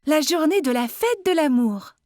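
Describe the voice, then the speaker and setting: A woman playing a kind young nanny in a children's cartoon, speaking in a gentle, encouraging manner. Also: sits high, expressive, moderate pace, dry recording.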